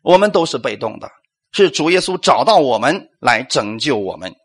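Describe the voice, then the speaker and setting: A man's voice: mid-range voice, sing-song, normal speed, breathy edge. A male pastor preaching a sermon, asking rhetorical questions, acting out quotes and calling for amens.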